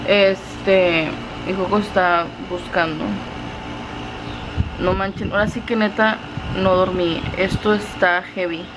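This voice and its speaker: A woman's voice: mid-range voice, fairly even intonation, takes it slowly. Young woman, casual home vlog, drowsy rambling chat, faint background noise. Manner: chatty, sleepy, rambling. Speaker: beauty vlogger. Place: home, indoors and out in the yard. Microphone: handheld camera.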